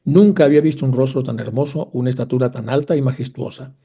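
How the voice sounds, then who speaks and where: A man giving a lecture, reading long passages aloud with frequent restarts and pauses. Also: medium pitch, warm tone, breathy edge. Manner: reads aloud a long first-person account with frequent restarts.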